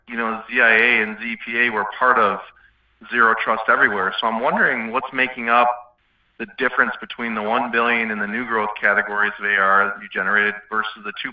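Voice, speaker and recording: A man speaking as a financial analyst, politely putting a spontaneous question on an earnings call. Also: fairly low pitch. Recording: roomy, dull phone-in call audio.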